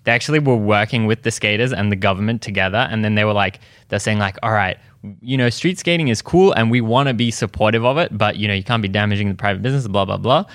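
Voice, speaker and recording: A man's voice: fairly low pitch, fast, hardly any pauses, fairly bright tone, dry recording, studio quality. A man in his late twenties with an Australian accent, chatting casually as a podcast guest, upbeat and laughing easily. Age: 20s. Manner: upbeat, laughs often, lots of "like". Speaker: guest, pro skateboarder.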